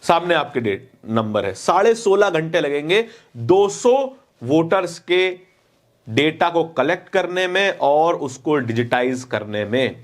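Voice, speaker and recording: A man's voice: on the high side, lively intonation, measured pace. A man presenting opinionated news commentary, speaking emphatically with repeated phrases and rhetorical questions.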